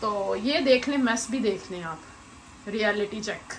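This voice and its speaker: A woman's voice: medium pitch, a little slow. A woman hosting a casual home vlog, chatty and informal, often repeating short phrases. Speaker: vlog host. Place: indoors at home. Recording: clearly noisy home phone recording.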